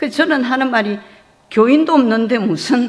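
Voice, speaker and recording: A woman speaks at a moderate pace, and the room's echo can be heard around her. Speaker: retired missionary. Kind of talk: testimony at church prayer meeting.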